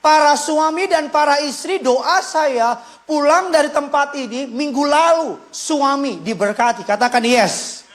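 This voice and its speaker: A male pastor delivers a sermon with a joking, lively manner. He calls out to the congregation and gets them to repeat phrases back to him. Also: very high voice, unhurried, hardly any pauses. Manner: joking, animated, leads the congregation in call-and-response.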